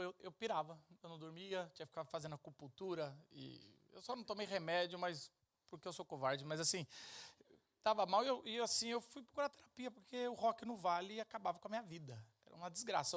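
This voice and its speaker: Brazilian man preaching informally through comic stories. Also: sits high. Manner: self-deprecating, animated, conversational. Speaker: speaker at a church event. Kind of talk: informal sermon with comic personal storytelling.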